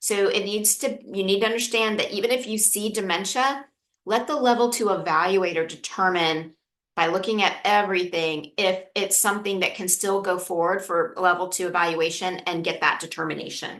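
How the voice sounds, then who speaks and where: A woman's ordinary speaking voice at a moderate pace, medium in pitch, with ordinary pitch variation. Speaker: trainer. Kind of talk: lecture.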